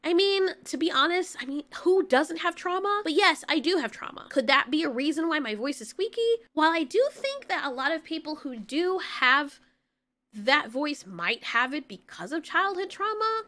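Squeaky high-voiced young woman. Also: normal speed. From Brooklyn, New York. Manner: candid, animated, rants with rising frustration. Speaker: YouTuber. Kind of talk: casual personal talk over gameplay footage.

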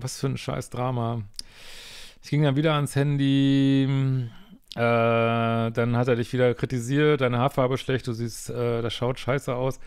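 A psychologist commenting on a viewer's letter in casual, blunt talk, exasperated and swearing freely, with halting restarts and frequent tag questions. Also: male voice, medium pitch, clear, resonant tone.

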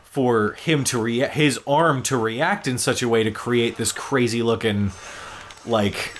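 A man's voice: mid-range voice, fairly even intonation. Man commentating over noisy gameplay. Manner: explanatory, halting while playing. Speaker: gaming show co-host and player.

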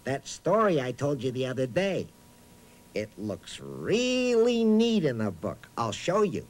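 A man's voice: medium pitch, huge pitch swings, a little slow. A man voicing a friendly, absent-minded talking boot who hosts a children's reading show in a hesitant, chatty way. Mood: cheerful, proud. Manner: hesitant, bumbling, chatty, hums nonsense syllables. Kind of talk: playful children's educational presenting.

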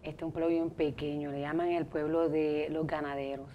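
A middle-aged woman from Puerto Rico with a Puerto Rican accent, a life coach speaking haltingly in a studio interview on a lapel mic. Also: low voice, little pitch movement, dull audio, slight background noise. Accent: Puerto Rican Spanish. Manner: hesitant, many fillers and restarts.

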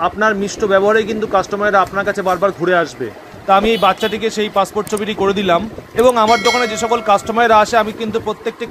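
Young bengali guy, super quick talker, kinda high and flat, faint traffic noise behind. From West Bengal, India. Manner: brisk, instructive, addresses viewers as friends. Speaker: cyber cafe owner and channel host. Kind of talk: explanatory voice-over narration.

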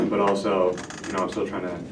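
A young man, a college point guard at a post-game press conference, talking in a halting, self-critical way. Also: deep voice, monotone. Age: young adult. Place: indoor press room. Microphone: table microphone. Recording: roomy, distant, noisy press room.

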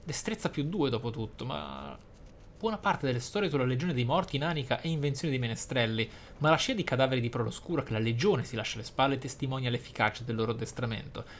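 A man hosting a roleplay let's play, speaking in deliberate, formally worded, articulate commentary. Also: mid-range voice, expressive, a little hiss or hum. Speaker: gamer, let's play host. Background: video game ambience.

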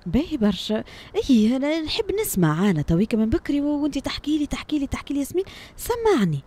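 A woman's voice: high-pitched, sing-song, rapid-fire, mellow. A young woman with a Tunisian accent hosts a casual live radio interview in a chatty, encouraging way from a studio. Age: young adult. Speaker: radio host. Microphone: studio microphone and headset.

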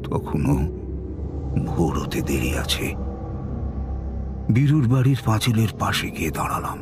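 A penitent man in a horror radio drama, tormented by guilt. He speaks low and slowly, with dramatic swings of pitch and anguished pauses. Prominent music plays behind him. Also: very animated. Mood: anguished confession. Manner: halting, dramatic, anguished confession. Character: remorseful Bengali elder brother confessing a sinful occult curse.

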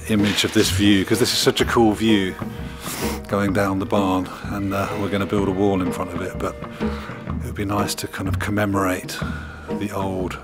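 A middle-aged man speaking casually and in an understated way, filming a handheld video diary inside a large barn. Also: on the low side. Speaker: vlogger building a recording studio in a barn. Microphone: handheld camera at arm's length.

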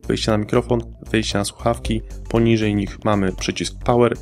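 Gravelly man narrating a tech review. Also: lowish voice, level tone, darkish tone. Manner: precise, measured technical delivery. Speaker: hardware reviewer. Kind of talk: scripted product review voice-over.

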